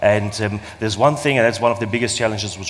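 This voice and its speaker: A man speaks with a fairly low pitch and fairly even intonation. Noticeable background noise runs underneath. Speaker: fintech founder. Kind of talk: panel discussion. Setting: stage with audience.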